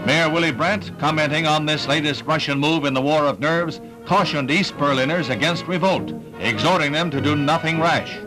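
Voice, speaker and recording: A man gives an old newsreel narration in a slightly raised voice, delivered with emphatic, dramatic weight. Loud newsreel music plays right under him throughout the voice-over. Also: on the high side, moderate pace, few pauses, low-quality recording.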